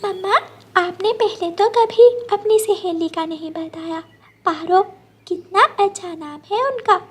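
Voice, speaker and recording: Woman doing an eager high-voiced young girl bird. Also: a little slow. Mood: amazed.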